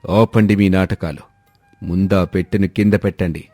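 A man's voice: deep voice, steady tone, normal speed, mellow, dry recording. A man playing a shrewd, stern village landlord in a moral story, speaking in a grave, commanding manner. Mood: mocking, commanding. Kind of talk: scripted animated moral-story dialogue. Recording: background music under the voice.

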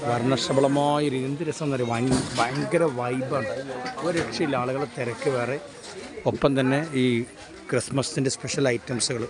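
Male vlogger, Kerala accent, mid pitch. Enthusiastic, repetitive, casual commentary in Malayalam-English mix, over loud market crowd. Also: fairly even intonation, moderate pace. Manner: mixes English words into Malayalam. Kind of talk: casual walking vlog commentary. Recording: busy outdoor market crowd noise.

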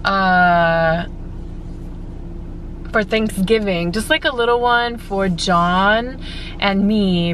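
A woman in her thirties chatting casually to a handheld camera in stores and her car, upbeat and giggly, full of "like". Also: lowish voice. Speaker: vlogger. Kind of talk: casual vlog chat. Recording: noisy store and car ambience.

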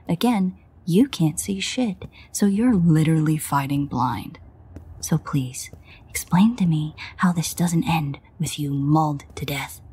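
A woman playing a sardonic, exasperated vampire in an audio roleplay, grumbling and swearing in a husky near-whisper. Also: lowish voice, dark tone, exaggerated voice. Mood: exasperated, sarcastic. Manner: sarcastic, profane, grumbling. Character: sardonic, exasperated female vampire, reluctant ally. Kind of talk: audio roleplay addressed to the listener.

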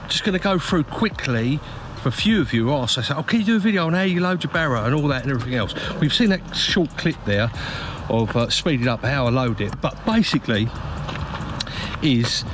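A man's voice: medium pitch, expressive, fairly quick. A man filming himself outdoors at a lakeside car park, chatting to camera and explaining his kit step by step with frequent restarts. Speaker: fishing vlogger. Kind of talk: casual vlog talk to camera. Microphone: handheld action camera at arm's length. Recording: outdoor camera audio with clear background noise.

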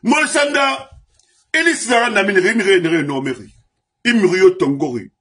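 A man from Guinea with a high, husky voice holds forth in an impassioned political monologue. He speaks as a diaspora commentator and drives his complaints home with repeated refrains. His voice often climbs into shouts. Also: lively intonation, moderate pace. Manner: heated, rising to shouts, lists grievances with repeated refrains.

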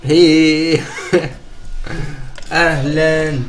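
A young man with an Egyptian accent commentating gameplay, chatty and excitable, laughing often and talking to his viewers. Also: a little high, extremely slow. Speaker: gaming streamer.

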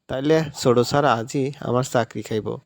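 A man's voice: medium pitch, steady tone, normal speed, no room sound, studio quality, lightly acted. A man voicing a timid, fearful middle-aged housemaid who speaks in rustic village speech.

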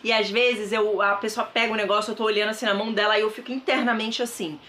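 A woman's voice: medium pitch, fairly even intonation, fast talker, bright, forceful tone. Woman, 30s, Brazilian Portuguese accent, enthusiastic vlog chatter, close camera mic indoors, faint background noise. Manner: chatty, enthusiastic, addresses viewers as "gente". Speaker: thrift vlogger. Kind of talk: casual haul vlog. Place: bedroom with wardrobe, indoors.

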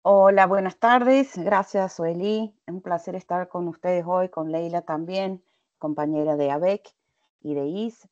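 Argentine woman, middle-aged, measured webinar lecturer with frequent hesitations; lowish voice, dry dull call audio. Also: a little mellow, no echo. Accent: Argentine Spanish with some Portuguese mixing. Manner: measured, many hesitations and restarts. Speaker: invited lecturer. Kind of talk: webinar presentation. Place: home office with bookshelf.

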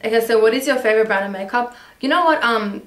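A woman's voice: fairly high pitch, quick pace, echoey room. A young woman from Australia whose first language is Armenian, chatting casually in a beauty vlog Q&A, rambling with lots of ums and restarts. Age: young adult. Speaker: beauty vlogger. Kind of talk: casual Q&A chat. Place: small bedroom indoors.

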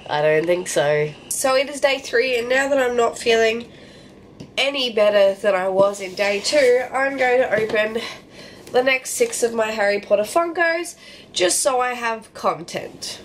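A woman's voice: on the high side, expressive, a little slow. A young woman in her twenties with a nasal voice, chatting casually and joking at her own expense while unboxing small figures for her book vlog at home. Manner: chatty and self-mocking, bubbly over small finds. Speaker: book vlogger. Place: home living room and bedroom, indoors. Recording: echoey room with faint background hiss.

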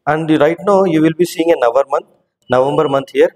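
A man hosting a screen-recorded software tutorial, explaining step by step and often checking in with "right?". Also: on the high side, quick pace, big-room sound. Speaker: tutorial host. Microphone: voice-over on screen recording.

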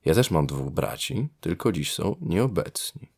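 A man voicing a gentle young male water elf, courteous and lyrical, in a storybook audio tale. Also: low voice, big pitch swings, measured pace, vocal fry, breathy edge, exaggerated voice.

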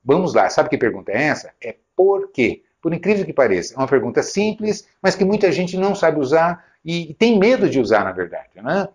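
A man's voice: a little high, sing-song, brisk, few pauses, darkish tone. A man hosting a retail sales lesson, talking conversationally and asking many rhetorical questions. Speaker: retail sales trainer, channel host.

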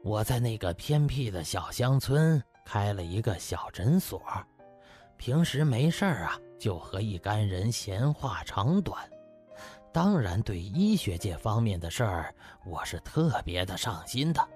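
A man's voice: medium pitch, a little mellow. A man voicing a humble, genial elderly country doctor with courteous, old-fashioned phrasing in an audiobook.

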